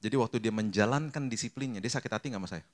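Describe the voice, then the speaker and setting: A middle-aged man preaching a sermon as pastor, lively and acting out quoted voices, with English phrases mixed in. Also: fairly low pitch, very fast.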